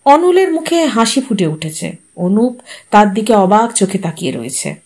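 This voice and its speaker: A woman narrating a short story aloud in a calm, measured audiobook style. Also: mid-range voice.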